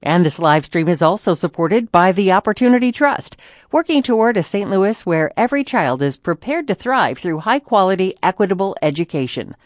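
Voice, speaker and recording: A woman reading sponsor announcements for a public radio station in a crisp, scripted delivery. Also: mid-range voice, big pitch swings, normal speed, no room sound, clean studio sound.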